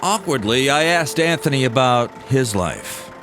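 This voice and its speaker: A man's voice: medium pitch, animated, unhurried, fairly bright tone. An American man telling a personal story as scripted first-person narration. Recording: music behind the voice.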